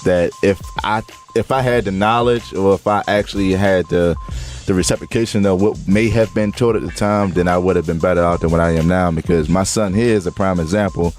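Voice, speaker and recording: A man hosting a radio talk show, reflective and halting, with many restarts as he speaks. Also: sits low, fairly even intonation, a little mellow, soft background music. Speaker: radio host.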